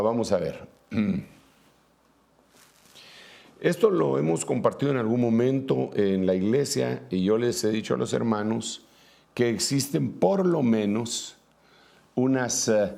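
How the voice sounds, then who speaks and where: A man's voice: lowish voice, gravelly, a little mellow. A man preaching a sermon, reading scripture aloud and then explaining it at a whiteboard with many fillers and asides.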